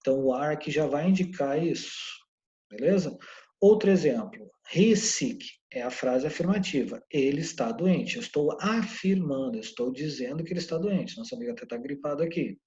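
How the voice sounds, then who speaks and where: A man's voice: on the high side, animated, normal speed, mellow. Patient male teacher on a dull recording. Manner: patient, checks in often with the viewer. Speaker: English teacher. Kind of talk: online lesson explaining grammar.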